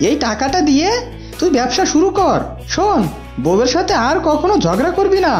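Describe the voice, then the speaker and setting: Cartoon fox pal: woman playing helpful advising male, very high animated voice, muffled audio over music. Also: fairly quick. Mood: concerned, advising. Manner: inquiring, advising.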